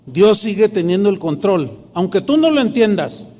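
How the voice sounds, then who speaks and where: A man's voice: sits high, very animated, normal speed, warm tone. A middle-aged man, a pastor telling a personal testimony in a sermon, acting out the dialogue in shifting tones. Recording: long hall reverb.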